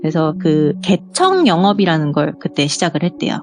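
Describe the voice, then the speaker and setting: A woman's voice: low voice, sing-song, normal speed. A woman guest telling true scary stories in a conversational way. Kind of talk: conversational storytelling. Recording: music playing behind the voice.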